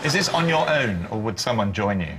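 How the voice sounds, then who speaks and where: A man's voice: on the low side, big pitch swings, brisk, heavy background noise. A man bantering dryly as a guest on a comedy panel show. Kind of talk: dry comic banter.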